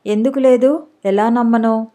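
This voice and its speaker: A woman voicing a frail, gravely ill young wife who pleads tearfully for forgiveness, read in an audiobook. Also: a little high, steady tone, unhurried, mellow, natural voice. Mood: tearful pleading.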